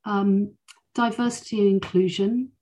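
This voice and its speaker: A woman hosting a podcast, reading a warm, encouraging introduction, then chatting with her guest. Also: medium pitch, steady tone, measured pace. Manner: warm, encouraging, many fillers in chat. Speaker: podcast host. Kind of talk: scripted intro, then casual interview.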